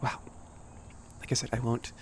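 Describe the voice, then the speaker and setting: A young man voicing a sweet, shy giant cat boy in a soft, near-whispered ASMR roleplay, chatting gently and hesitantly to a small friend. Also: normal speed, a little hiss or hum, natural voice. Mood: warm, reluctant farewell. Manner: gentle, hesitant, rambling, apologetic. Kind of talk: ASMR roleplay, casual chat to listener.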